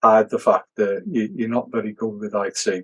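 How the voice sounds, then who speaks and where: Monotone and flat in intonation, a man speaks at a moderate pace. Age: 60s. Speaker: fraud investigator. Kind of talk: podcast interview.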